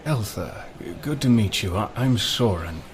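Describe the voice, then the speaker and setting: A man playing a polite, inquisitive adventurer in a fantasy audio drama, speaking in a halting, gently probing way. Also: fairly low pitch, expressive, slight background noise. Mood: tentative.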